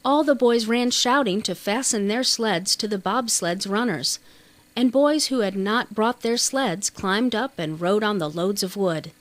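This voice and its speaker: A woman narrates a children's novel in a mid-range voice. Her delivery is scripted and measured, with the expressive shaping of an audiobook storyteller. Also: mid-range voice, no echo.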